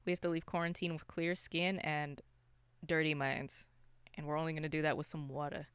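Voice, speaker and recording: A woman's voice: low voice, level tone, fairly quick, fairly bright tone, clear, resonant tone, dry recording. A woman co-hosting a podcast, chatting casually about movies in a wry, informal, rambling way. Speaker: podcast co-host.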